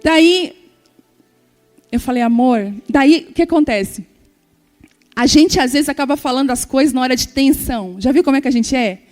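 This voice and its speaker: A middle-aged woman preaches to her congregation, retelling a personal story and speaking straight to the crowd. Her voice sits high, and she acts out each piece of the dialogue. Soft music plays faintly underneath. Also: normal speed, pauses often. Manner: storytelling, acting out dialogue, addressing the audience directly. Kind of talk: sermon with personal testimony.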